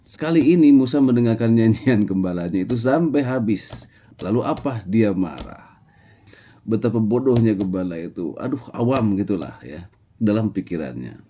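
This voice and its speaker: A man with a Sundanese accent telling a religious story in a relaxed lecture, dropping in Sundanese words and chatty tag fillers. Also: fairly low pitch.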